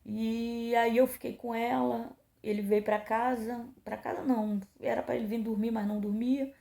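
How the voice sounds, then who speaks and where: Emotional woman pastor, gravelly voice in echo. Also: a little high, fairly even intonation, normal speed, mellow. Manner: emotional storytelling, acting out quoted dialogue. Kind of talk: personal testimony to a congregation. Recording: roomy echo.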